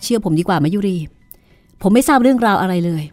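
A woman's voice: medium pitch, lively intonation, fast talker, a little mellow, faint music behind, lightly acted. A woman voicing a flustered young man. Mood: defensive. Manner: flustered, exasperated pleading. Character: young man, harried, defensive, short-tempered.

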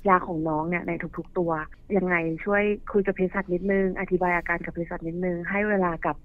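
Fast-talking low-voiced woman on tinny line. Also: fairly even intonation. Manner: quick, reassuring, explains plainly. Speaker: pharmacist guest. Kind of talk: casual explanation.

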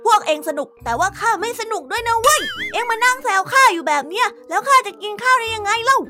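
A grumpy young cartoon boy, very high. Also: expressive, fast talker. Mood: annoyed. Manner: gruff, exclaiming, rustic speech. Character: grumpy young male cartoon character, easily annoyed. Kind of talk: children's cartoon voice acting. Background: music.

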